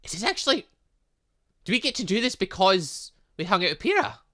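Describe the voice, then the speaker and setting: A man's voice: high-pitched, fairly quick. A man giving casual let's play commentary on a visual novel, reading aloud and reacting with exclamations. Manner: animated, exclaiming, reacting as he reads. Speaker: gaming channel host.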